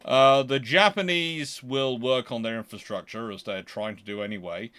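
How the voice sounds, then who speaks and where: A male host talks through answers to viewer questions in a mid-pitched voice. His delivery is conversational and unscripted, arguing each point with emphasis. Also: normal speed, sharp tone, smooth. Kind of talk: casual livestream question-and-answer commentary.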